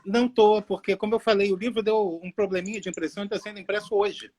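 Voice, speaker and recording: A man from Rio with a Carioca accent, an author talking about his books in a casual livestream interview, friendly and relaxed. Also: sits high, fast talker. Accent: Carioca Brazilian Portuguese. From Rio de Janeiro, Brazil. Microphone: phone livestream.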